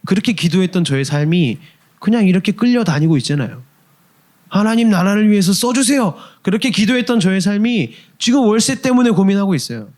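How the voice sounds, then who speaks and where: A man's voice: high voice, fast. A young man preaching a sermon at a youth church service, talking with the congregation and acting out quoted inner voices. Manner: lively, conversational preaching with questions to the congregation. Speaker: youth pastor.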